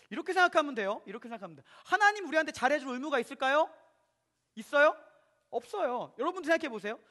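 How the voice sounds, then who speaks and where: A man preaching to children and families in church, animated, constantly asking the congregation questions and sometimes acting out parents and kids. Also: very high voice. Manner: acts out parents and children in quoted voices; occasionally shouts for emphasis. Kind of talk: children's sermon at a family revival. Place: church sanctuary.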